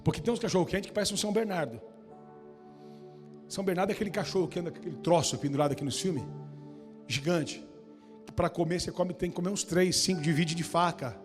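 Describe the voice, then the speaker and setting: A man preaching a sermon as pastor, moving between quiet storytelling and shouted, fervent exhortation in a church. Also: sits high, fast talker, pauses often. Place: church hall. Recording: long church reverb, music behind.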